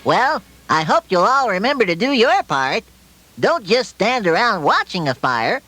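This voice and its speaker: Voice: mid-range voice, very animated, a little slow. A performer voicing a cheerful, helpful male puppet who talks to children and sings a safety song. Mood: singing. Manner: earnest, upbeat, singing a safety song. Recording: loud country music behind.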